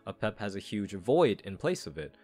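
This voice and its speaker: A man's voice: on the low side, very animated, normal speed, darkish tone. A man giving a casual, explanatory scripted review and lore analysis of a video game story. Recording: background music.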